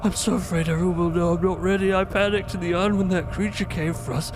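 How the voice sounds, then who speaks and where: A man's voice: high voice, fairly even intonation, fast, noisy background, close to an everyday voice. A man playing an anxious young religious novice in an audio drama, pleading and confessing a terror of failure. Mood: panicked confession. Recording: dramatic music behind the voice.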